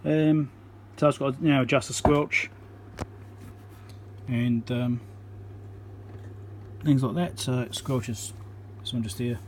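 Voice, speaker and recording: An electronics repair presenter talking casually as he works at his home workbench, thinking aloud with frequent ums and pauses. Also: medium pitch, fairly even intonation, darkish tone, slight background noise. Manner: thinks aloud with many ums, counts into the mic.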